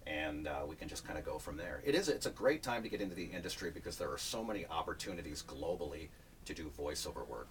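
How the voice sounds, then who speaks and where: A man's voice: extremely low pitch, lively intonation, quick pace, a little hiss or hum. A man who coaches voiceover talent, chatting casually and joking in an interview. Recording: distant mic with faint ambience.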